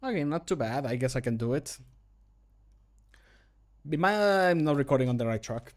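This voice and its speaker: A middle-aged man streams from a small room at home, sitting close to the microphone as he records voice lines for a game mod. His medium-pitched voice has lively intonation and a normal pace. He chats casually and pokes fun at himself, in the style of livestream commentary.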